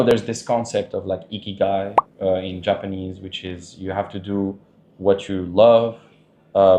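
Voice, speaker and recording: A man talking casually as a podcast guest, loose and chatty, laughing often and filling pauses with "like" and "you know". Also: fairly low pitch, dark tone, echoey room. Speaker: podcast guest, dating coach. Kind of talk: casual interview talk.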